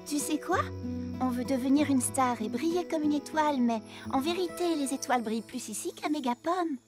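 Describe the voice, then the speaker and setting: A woman's voice: high voice, normal speed, over music, natural voice. A woman voicing a sincere, caring young girl in a children's cartoon, speaking earnestly and expressively. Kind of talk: French children's cartoon dub acting.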